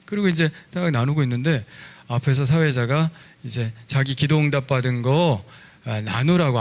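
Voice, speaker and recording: A middle-aged pastor with a medium-pitched voice preaches in a relaxed, conversational style, telling stories and adding lively asides.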